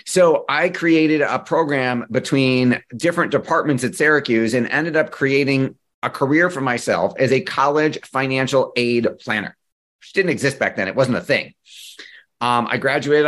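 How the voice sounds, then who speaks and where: A middle-aged man presenting a workshop as a marketing coach, speaking in a lively, conversational way and telling stories from his own life. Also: mid-range voice, normal speed. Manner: lively, conversational storyteller who acts out dialogue. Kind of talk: workshop presentation with personal storytelling.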